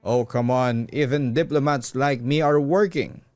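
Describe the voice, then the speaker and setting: A man's voice: mid-range voice, measured pace, darkish tone, no room sound, natural voice. A man voicing a defensive, curt diplomat husband in a radio love drama. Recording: music bed behind close dry voice.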